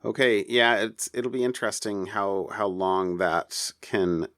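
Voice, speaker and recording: A man co-hosting a casual tech news discussion, talking in a halting way as he thinks aloud. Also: lowish voice, fairly even intonation, fairly bright tone, no echo, studio quality. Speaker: podcast co-host.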